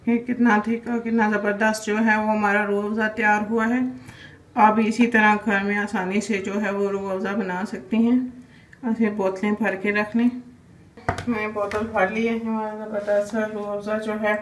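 A woman's voice: mid-range voice, level tone, normal speed. A Pakistani woman with an Urdu accent hosting a cooking channel, walking through a recipe step by step in a homely way and leaning on the same filler phrase again and again. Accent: Urdu-speaking Pakistani. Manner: homely, repeats filler "jo hai" constantly. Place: home kitchen. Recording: echoey, distant kitchen recording with faint hiss.

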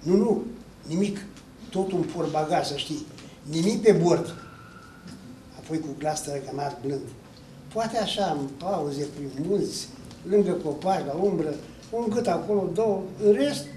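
A man's voice: on the high side, expressive, dark tone, slight background noise, close to an everyday voice. A man voicing a boastful, restless husband who talks with swaggering, drawling reassurance. Heard from far off in an echoey hall.

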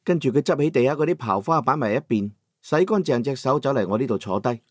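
A man's voice: mid-range voice, fast talker, no echo, clean studio sound. Cantonese man narrating an audiobook. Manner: steady descriptive storytelling. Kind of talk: first-person novel narration.

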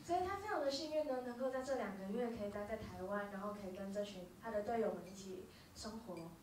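Woman interpreting on stage, talks fast with little ums, far off mic, really echoey room. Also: mid-range voice, darkish tone, slight background noise. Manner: quick, with filler hesitations. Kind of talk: live consecutive interpreting. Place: small dark music venue. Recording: roomy venue, from far off.

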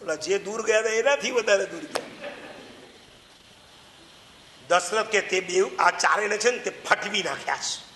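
A man delivers an animated sermon, speaking straight to his listeners in a high, bright, forceful voice. The sound carries the long reverb of a large hall, with faint ambience behind it. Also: a little slow, long pauses, slight background noise. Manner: animated, addresses listeners directly. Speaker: preacher. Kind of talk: sermon storytelling.

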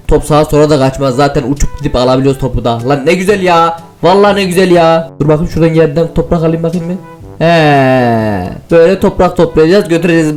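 A young man narrates his gameplay at a rapid clip in a high, boyish voice. He jokes constantly and bursts into loud, excited shouts. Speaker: gaming YouTuber. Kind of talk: playful gameplay commentary.

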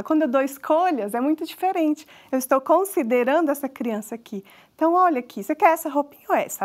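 A woman and mother with a Brazilian accent, giving a conversational lecture to parents and talking straight to the audience. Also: high voice. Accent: Brazilian Portuguese. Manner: conversational, addresses audience directly. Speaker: parenting talk speaker.

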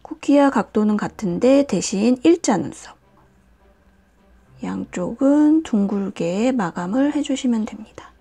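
A woman hosting a nail art and drawing tutorial, talking calmly step by step and often dropping to a whisper. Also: on the high side, breathy edge. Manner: calm, slow, often drops to a whisper. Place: indoors at a desk, hands on camera.

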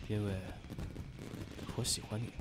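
A man's voice: measured pace, lightly acted. An actor playing a young man who is teasing but tender, in an amateur audio drama. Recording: roomy, with clear fireworks noise.

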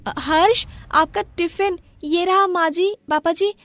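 A woman voicing an anxious, timid young bride in an animated family drama, with an Indian accent. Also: extremely high pitch, unhurried, no room sound. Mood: nervous. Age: young adult.

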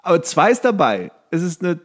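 A man's voice: high-pitched, sing-song, brisk. A man co-hosting a podcast in casual banter, with a colloquial, exasperated, teasing way of talking. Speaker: podcast co-host. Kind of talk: casual banter between friends.

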